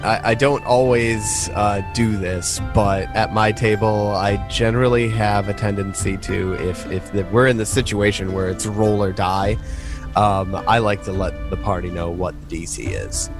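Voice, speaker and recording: A man acting as game master, improvising narration in a casual, halting, descriptive way. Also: fairly low pitch, fairly even intonation, music in the background.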